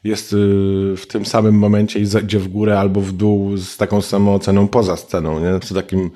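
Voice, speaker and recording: A man's voice: lowish voice, level tone, a little fast, dark tone. A man hosting a casual interview, asking questions in a thoughtful way with hesitant fillers.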